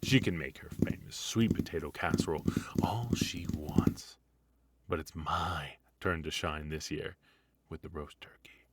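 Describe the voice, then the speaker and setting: A man's voice: a bass voice, unhurried, slight background noise. A man playing a retired supervillain husband in a comedic ASMR roleplay, teasing and doting with a theatrical, conversational delivery. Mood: playfully competitive.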